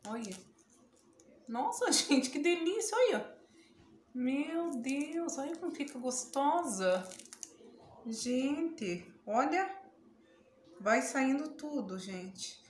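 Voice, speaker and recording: A Brazilian woman with a Brazilian Portuguese accent and a somewhat high voice, talking a beauty tutorial straight to camera. She is chatty and exclamatory, quick to laugh or yelp. The sound is roomy, with a faint home hum behind her. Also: very animated. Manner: chatty, exclaims often, laughs and yelps when it stings. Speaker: beauty vlogger. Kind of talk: casual tutorial chat to camera. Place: home room, indoors.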